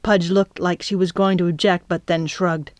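A woman narrating a children's chapter book in a calm, measured reading. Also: lowish voice, no echo. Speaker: audiobook narrator. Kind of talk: scripted narration.

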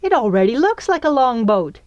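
A woman's voice: fairly high pitch, sing-song, moderate pace, darkish tone, no echo, lo-fi sound, pitched above the performer's own voice. A woman voicing an eager young girl who speaks in a gushing, over-enthusiastic manner in a story.

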